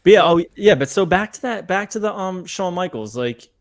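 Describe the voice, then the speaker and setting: A man's voice: high-pitched, lively intonation, moderate pace. A man in a casual podcast chat, insistent and repeating himself as he makes his point. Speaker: podcast guest.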